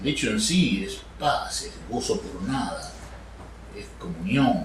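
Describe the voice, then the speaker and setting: Very slow speech with audible room echo. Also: man. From Argentina. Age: 60s. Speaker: psychiatrist and lecturer. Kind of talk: lecture. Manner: halting.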